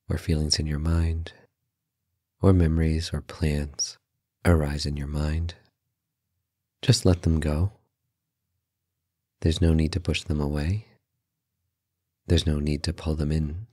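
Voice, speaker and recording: Male meditation guide: very deep, husky, calm, slow-paced delivery with pauses between brief instructions. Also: no echo, studio quality. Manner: calm, unhurried pauses between short phrases.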